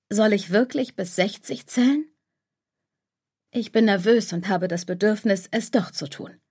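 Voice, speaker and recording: A woman reads a first-person audiobook in a calm, measured way. Her voice is somewhat husky and breathy, at a middling pitch. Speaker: audiobook narrator.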